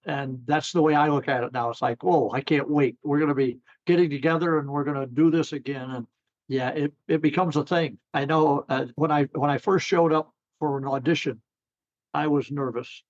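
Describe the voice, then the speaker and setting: A man's voice: on the high side, steady tone, moderate pace. A man chatting casually as a guest, with slightly lo-fi recorded sound. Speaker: amateur actor, guest. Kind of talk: casual conversation.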